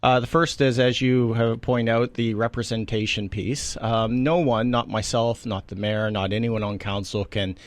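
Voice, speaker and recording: A man, a city councillor, explaining his views in a measured way as a guest in a radio studio. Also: mid-range voice, steady tone.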